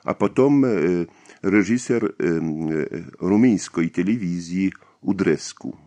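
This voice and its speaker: Interview guest: man, 50s, Polish accent, very low pitch, hesitant. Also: takes it slowly, dark tone. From Poland. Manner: hesitant, many fillers and restarts. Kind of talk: radio interview answers.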